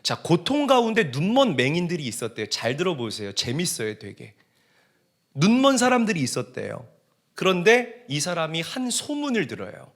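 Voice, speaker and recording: A man preaching a sermon to his congregation. He asks them questions directly and swings from soft asides to shouted, impassioned peaks. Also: on the high side, huge pitch swings, moderate pace. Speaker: pastor.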